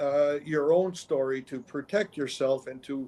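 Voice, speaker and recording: Fairly slow in pace, a man speaks at a fairly high pitch with ordinary variation. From Molise, Italy, raised in Canada from childhood. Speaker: retired nonprofit executive. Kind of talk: panel discussion. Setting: video call.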